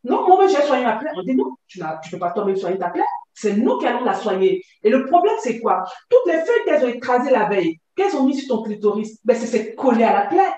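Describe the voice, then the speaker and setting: A woman giving an emotional personal testimony, halting and pained, often rising to near shouts. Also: fairly high pitch, very animated. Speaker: testimony guest. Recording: echoey room, far from the mic.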